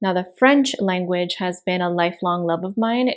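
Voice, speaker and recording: A woman with a Spanish accent, medium pitch and moderate pace. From US, Miami. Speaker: book vlogger. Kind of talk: vlog monologue. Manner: casual.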